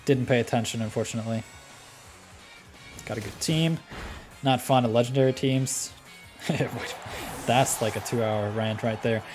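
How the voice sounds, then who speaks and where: This Norwegian host of a live game stream talks with a Norwegian accent in a darkish, medium-pitched voice, fairly even in intonation, at normal speed with long pauses. He comments on the game and reads chat, relaxed and chatty between plays, with frequent ums and laughs over faint background music.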